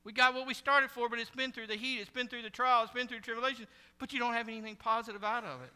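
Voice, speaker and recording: A man preaches in a church sanctuary, his high, piercing voice carrying a long hall reverb. He talks with the congregation conversationally, then sinks into hushed asides and rises to loud, shouted warnings. The tone stays smooth and clear throughout. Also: fairly even intonation, fast. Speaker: pastor. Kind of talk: sermon.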